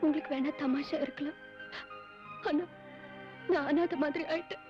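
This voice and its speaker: An actress playing a proud, sharp-tongued young woman college student who answers with quick, pointed retorts. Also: high-pitched, fairly even intonation, natural voice. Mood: pleading. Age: young adult. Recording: dull old film soundtrack with music.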